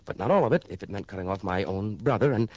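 A twitchy man in his thirties in an old radio play who stammers and repeats his words. His voice is lowish and he talks quickly. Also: animated, a little mellow, no room sound, highs cut off. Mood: nervous. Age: 30s. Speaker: client's brother. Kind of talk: 1960s radio drama acting.

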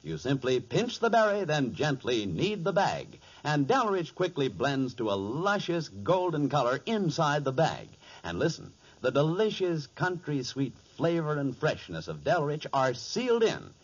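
Animated 1940s male radio announcer. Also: on the high side, unhurried, hardly any pauses, slightly rough. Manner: polished, emphatic salesmanship. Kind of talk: 1940s scripted radio announcing and sponsor pitch. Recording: dull lo-fi 1940s radio recording.

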